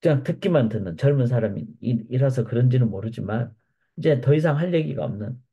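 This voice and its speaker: A man's voice: medium pitch, animated, fairly quick, creaky, dark tone, husky, dull audio. A male pastor giving a Bible study lecture, reading scripture passages aloud and then explaining them. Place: church.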